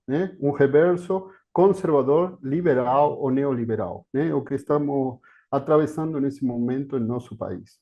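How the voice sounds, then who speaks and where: An Argentine man with an Argentine Spanish accent gives an academic talk over a video call as a guest speaker and historian of education. He is hesitant, packing his speech with fillers and restarts. His voice is mid-range with a warm tone.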